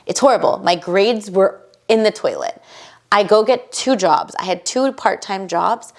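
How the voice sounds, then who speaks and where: This is an animated woman from the United States chatting as a podcast guest. Her voice sits at a middle pitch, and she speaks emphatically in quick bursts. She keeps circling back with asides and restarts. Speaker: podcast guest, bridal fashion entrepreneur. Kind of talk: casual conversational interview.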